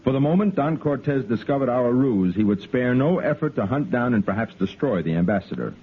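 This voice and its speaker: A firm, commanding cavalry lieutenant narrating a 1950s radio adventure. His pitch moves a lot, in a lively way. The sound is thin and phone-like. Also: fairly quick, husky. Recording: tinny 1950s radio broadcast.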